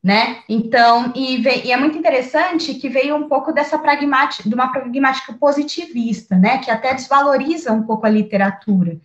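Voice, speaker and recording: A woman's voice: sits high, fairly quick, few pauses, reverberant, highs cut off. A Brazilian woman teacher talking through her teaching approach in an interview, thoughtful, with many fillers and restarts. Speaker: teacher and researcher, guest. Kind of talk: conversational interview.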